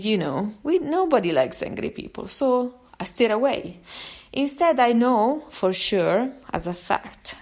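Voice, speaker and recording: A woman from Italy with an Italian accent, a therapist talking through a casual live monologue, chatty and given to sudden pitch jumps when she acts out quotes. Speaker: therapist and podcast host.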